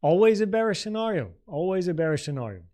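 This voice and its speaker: A man in his thirties from the Netherlands, with Dutch as his first language, hosts a live trading stream. His voice sits a little higher than average. He talks informally, thinking aloud as he reads and answers comments from viewers. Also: very animated, quick pace, warm tone. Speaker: trading livestream host. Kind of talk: casual livestream Q&A and market commentary.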